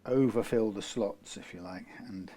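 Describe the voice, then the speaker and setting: There's a little hiss or hum behind this UK man's low, warm voice, which moves at a normal speed. He narrates a guitar repair in his workshop, wandering in his talk, correcting himself and dropping dry quips.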